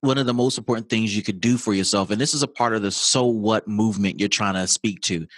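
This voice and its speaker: Deep-ish voice, host guy, calm and thoughtful, dry sound. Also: quick pace, no echo. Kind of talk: interview conversation.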